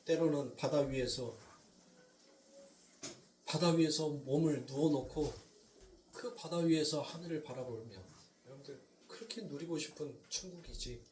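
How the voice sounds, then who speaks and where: A male pastor with a Jeolla accent preaching a sermon, swinging from loud emphasis to near whispers and slowing down on key points. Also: a little high, reverberant, recorded from a distance, a little hiss or hum. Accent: Jeolla Korean. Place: church sanctuary.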